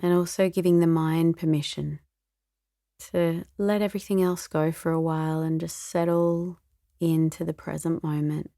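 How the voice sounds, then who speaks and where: A woman meditation teacher leading a guided meditation in a soothing, gentle, unhurried way, with a soft voice that turns breathy at times. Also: low voice, little pitch movement, dry recording, studio quality.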